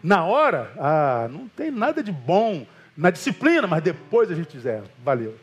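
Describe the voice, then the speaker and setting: A man gives a sermon as a pastor in a fairly high voice. He tells stories casually and acts out the people in them, calling his listeners brother. Soft music plays faintly behind him. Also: moderate pace, slightly rough. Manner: animated storytelling with quoted voices; colloquial, addresses listeners as brother.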